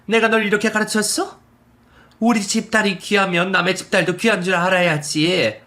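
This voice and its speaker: A man's voice: a little high, measured pace, fairly bright tone, pitched above the performer's own voice. A man voicing a firm, caring older mother-in-law who scolds emphatically in a narrated story. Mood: scolding.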